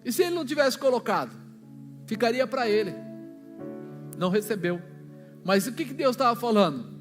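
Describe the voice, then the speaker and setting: High-voiced Brazilian pastor preaching in a hall. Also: male voice, very animated, normal speed. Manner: colloquial storytelling, acting out dialogue. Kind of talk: sermon. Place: church. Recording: long church hall reverb with music behind.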